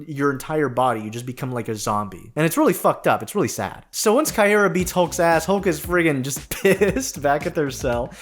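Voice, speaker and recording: A man hosting a comedic, profanity-laced movie recap in a casual, jokey way. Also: medium pitch. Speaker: host.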